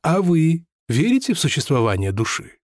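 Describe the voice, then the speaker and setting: A man's voice: a little high, wildly swooping pitch, moderate pace, no room sound, studio quality, pitched above the performer's own voice. A man doing a pompous, raised-voice old lottery seller. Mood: musing. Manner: pompous, stiffly polite, talkative. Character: touchy, formal lame older lottery seller. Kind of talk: audiobook character reading.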